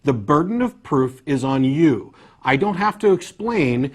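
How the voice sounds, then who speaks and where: Blunt, higher-voiced male call-in show host. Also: animated, measured pace. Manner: assertive, blunt, interrupting. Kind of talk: unscripted call-in debate.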